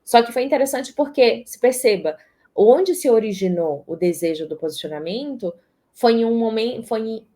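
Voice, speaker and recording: A woman's voice: mid-range voice, mellow. A woman from Salvador, talking expressively in an interview and often restarting her words. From Brazil, Salvador, Bahia. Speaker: guest, systemic positioning strategist. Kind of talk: casual interview talk.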